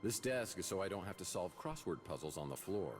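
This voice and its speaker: An actor playing a wry, world-weary private detective in an adventure game, musing sardonically to himself in noir style. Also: male voice, sits low, very animated, brisk, slightly rough, faint music behind, full character voice.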